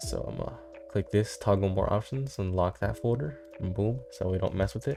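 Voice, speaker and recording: A quiet male voice over music in the background. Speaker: YouTube tutorial creator. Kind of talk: software tutorial. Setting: home, others asleep. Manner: casual, filler words.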